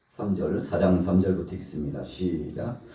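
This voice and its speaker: A male pastor preaches in a dark, mellow, somewhat low voice that booms around a big reverberant church hall. He sounds set back from the mic, and he acts out the story with sudden loud pleas and quiet asides. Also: expressive, measured pace, a little hiss or hum. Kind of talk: sermon. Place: church sanctuary. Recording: very echoey hall, heard from a distance.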